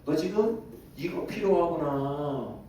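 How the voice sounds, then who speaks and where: Gentle fatherly God, as a preacher quotes him. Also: a little high, animated, slow, slight background noise. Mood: tender. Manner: gentle and reassuring. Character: tender, fatherly God speaking to his children. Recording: very echoey room, voice from a distance.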